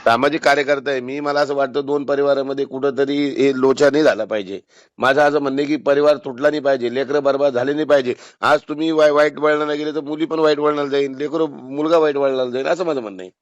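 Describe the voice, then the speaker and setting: A man's voice: medium pitch, fairly even intonation, quick pace, no echo. A man with a Marathwada Marathi accent, a social worker on a phone call, giving insistent, colloquial advice and persuasion. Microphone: phone call recording.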